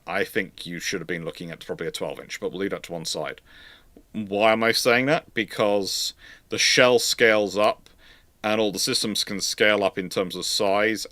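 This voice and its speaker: A man's voice: low-pitched, fairly bright tone, dry recording. A man hosting a casual live history question-and-answer talk, thinking aloud in a conversational way and posing questions to himself. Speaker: host, naval historian.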